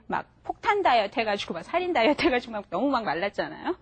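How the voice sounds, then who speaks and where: Woman teacher, high and bright, lively and patient, models words for the class to repeat. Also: racing, breathy edge, lo-fi sound. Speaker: English teacher. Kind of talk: classroom lesson for adult learners. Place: TV studio classroom.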